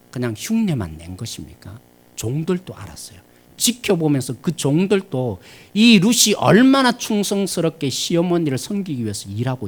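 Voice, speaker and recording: Male preacher, midweek service; husky, animated, lively pitch. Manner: animated preaching, swings between loud emphasis and quiet asides. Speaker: pastor. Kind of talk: sermon. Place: church sanctuary.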